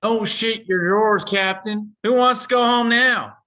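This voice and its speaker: Man acting brash, high-voiced rowdy drinker. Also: a little slow, bright, forceful tone. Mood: cocky. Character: brash, rowdy drinking miner, cocky male. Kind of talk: screenplay table read.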